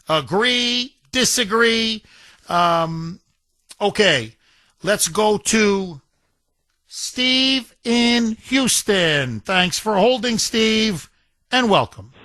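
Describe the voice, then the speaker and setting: Combative talk radio host, dry mic. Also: male voice, high-pitched, pushed and bright, dry recording. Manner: combative, emphatic, scornful. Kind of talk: talk radio monologue and call-in.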